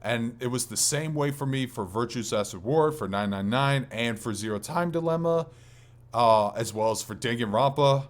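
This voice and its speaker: A man's voice: mid-range voice, animated, normal speed. A man co-hosting a podcast, chatting casually and enthusiastically about video games with some swearing. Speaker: podcast co-host.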